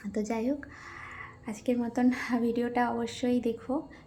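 Her pitch is high for a woman. Noticeable background noise runs under her voice. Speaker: lifestyle vlogger. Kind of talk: casual vlog narration.

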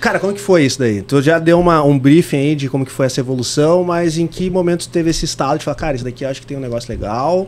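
Over light background noise, a man speaks with ordinary pitch variation and hardly any pauses. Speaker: podcast host. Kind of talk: podcast interview. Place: meeting room. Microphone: studio mic.

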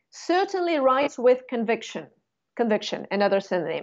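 A woman's high voice with a Russian accent, very wide pitch swings and a fairly quick pace over a quiet background. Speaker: English teacher and teacher trainer; English teacher, teacher trainer. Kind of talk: webinar lecture. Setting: online webinar. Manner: hesitant with frequent fillers. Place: home room. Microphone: earbuds.

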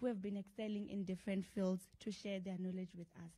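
A woman's dark, mellow, somewhat breathy voice over a quiet background. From South Africa. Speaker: student council president. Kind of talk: prepared address. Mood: earnest, composed. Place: studio. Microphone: handheld.

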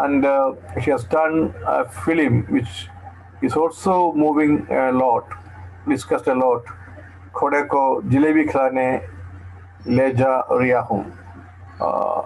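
A man with an Indian accent at a very slow pace, lively intonation and long, frequent pauses. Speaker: theatre talk series host. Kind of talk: moderated webinar. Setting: video call. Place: home room. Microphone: webcam.

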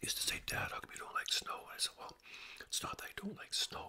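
Whispering very fast, a man gets the words out. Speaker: home vlogger. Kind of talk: casual vlog chat. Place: home room. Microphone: studio mic.

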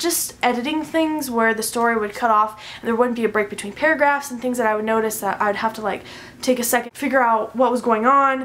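A woman speaks at a fairly quick pace with fairly even intonation. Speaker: book reviewer. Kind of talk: casual vlog chat. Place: home room.

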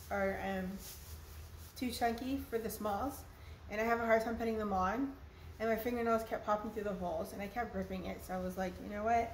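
A woman talks at a moderate pace. Audible room echo and light background noise are present. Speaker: vlogger. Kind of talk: casual vlog chat. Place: kitchen. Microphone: phone near.

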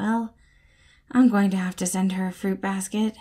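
In a very clean recording with a silent background, a female-sounding put-on character voice mumbles at a moderate pace and middle pitch. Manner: muttering, sarcastic.

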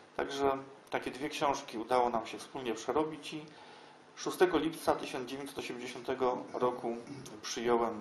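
A man talks at a very slow pace with fairly even intonation. Audible room echo and light background noise are present. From northern Poland, Świnoujście. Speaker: former Jehovah's Witnesses circuit overseer, now church member. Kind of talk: interview answers, personal testimony. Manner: reflective, halting with fillers. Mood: calm, reflective recollection. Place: office. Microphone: camera far.

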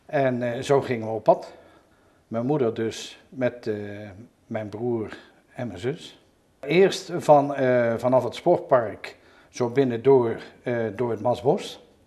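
Very slowly, a man talks at a medium pitch. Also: ordinary pitch variation. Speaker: WWII eyewitness. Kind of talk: oral history interview answer.

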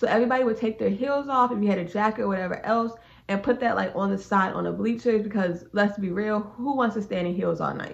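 In front of a quiet background, a woman talks at a very fast pace with ordinary pitch variation. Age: 20s. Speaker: YouTuber. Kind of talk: casual storytime talk to camera. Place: home room. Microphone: phone near.

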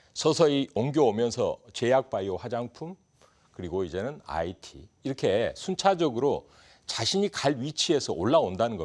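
Recorded very cleanly against a silent background, a man talks with vocal fry and very wide pitch swings. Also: medium pitch for a man, moderate pace. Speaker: stock market analyst. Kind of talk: lecture.

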